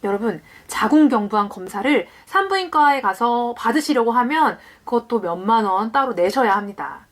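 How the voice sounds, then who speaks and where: A woman's voice: a little high, fairly bright tone. A woman in her late twenties, a vlogger, talking viewers through a topic step by step in a friendly way and answering her own questions. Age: late 20s. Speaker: parenting vlogger. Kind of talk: explanatory vlog talk to viewers.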